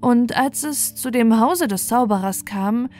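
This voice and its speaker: A woman's voice: on the high side, measured pace, darkish tone. A woman storyteller narrating a bedtime fairy tale. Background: faint music.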